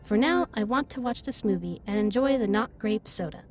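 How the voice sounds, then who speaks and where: A woman playing a gentle, earnest female alien starship captain in an audio roleplay, speaking in formal, precise sentences straight to the listener. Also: mid-range voice, animated, moderate pace, faint music behind, natural voice. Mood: heartfelt, affectionate. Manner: formal, precise, slightly stilted wording.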